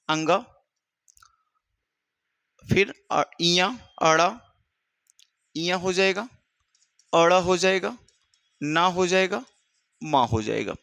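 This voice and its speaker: A man's voice: high voice, creaky, bright, forceful tone, dry recording. A man teaching an exam-prep grammar lesson. He asks questions, answers them himself and calls the students "my brother.".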